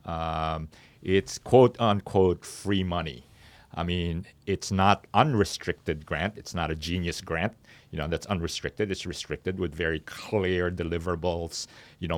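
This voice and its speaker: A man speaking as an interview guest and startup founder, explaining his business in a conversational, halting and measured way in a studio. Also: low voice, steady tone, no echo.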